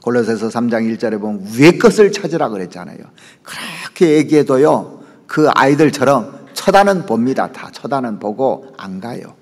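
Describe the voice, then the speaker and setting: A man preaching to his congregation with a highly animated voice that jumps high and sinks low. His words ring out with a long reverb trailing behind them in a church sanctuary. He keeps turning to the listeners with quick asides. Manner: lively preaching, pitch leaps and drops, asides to the congregation. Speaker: pastor. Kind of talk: sermon.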